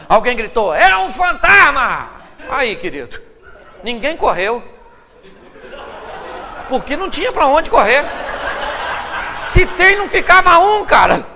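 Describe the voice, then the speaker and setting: A man with a Brazilian accent preaches with a high, sharp, gravelly voice. He tells the story in a playful, joking way. The sermon is recorded in a hall with a long echo. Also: very animated, measured pace, long pauses, background noise. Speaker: pastor. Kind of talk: humorous sermon. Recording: reverberant live hall recording.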